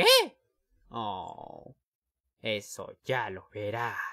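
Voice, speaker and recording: This is a put-on character voice with a raspy sound. It moves at a very slow pace. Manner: loud, theatrical.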